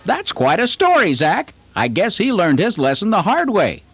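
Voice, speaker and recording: A lively, high puppet host. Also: male voice, normal speed, breathy edge, no echo, soft background music, exaggerated voice. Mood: instructive. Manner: patient, instructive, talks to children. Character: friendly male puppet host teaching kids fire safety. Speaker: show host. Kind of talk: children's puppet show.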